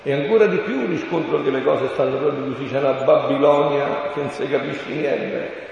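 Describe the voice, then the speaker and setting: A man's voice: mid-range voice, moderate pace, creaky, darkish tone, slight background noise. A man from Campania with a southern Italian accent, giving a chatty catechesis talk as a priest, often checking in with his listeners with "no?" and "eh?". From Irpinia, Campania, Italy. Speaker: priest and exorcist. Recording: echoey hall, dull lo-fi sound.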